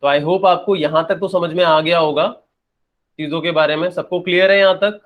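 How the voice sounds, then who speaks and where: A man's voice: a little high, fairly even intonation, moderate pace, narrow, tinny audio. A young man teaching an English grammar lesson, repeating points and answering his own questions. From India. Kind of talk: classroom-style lesson, explaining and checking.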